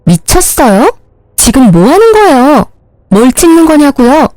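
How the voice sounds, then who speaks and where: A woman's voice: fairly high pitch, expressive, a little slow, mellow, dry recording. A woman voicing a brazen young mistress who talks down to everyone in a haughty, mocking way. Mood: indignant. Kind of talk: dramatized story narration.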